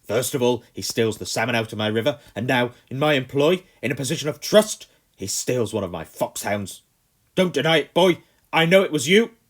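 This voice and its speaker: A man playing a pompous older colonel who shouts and rants in fury at a family. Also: mid-range voice, lively intonation, moderate pace, voice pushed up, lightly acted. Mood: raging. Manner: shouting, ranting. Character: pompous older male colonel, furious landowner.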